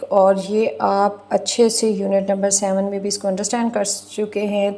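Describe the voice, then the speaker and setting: A woman recording a lesson for primary teachers, repeating each word slowly and mixing English with Urdu. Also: medium pitch, dark tone. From Pakistan. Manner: slow and deliberate, repeats words and mixes English with Urdu.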